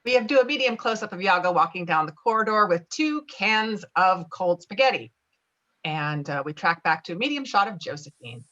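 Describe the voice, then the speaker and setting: A woman reading stage directions at an informal script table read, a bit halting, with casual asides. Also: mid-range voice, animated, fairly bright tone, highs cut off.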